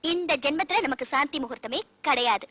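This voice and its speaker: Stern, scolding young bride. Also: female voice, sits high, lively intonation, fairly quick, pushed and bright, a little hiss or hum. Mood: firm. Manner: firm, lecturing, proverb-quoting. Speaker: film comedy character. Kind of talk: 1990s Tamil film comedy acting.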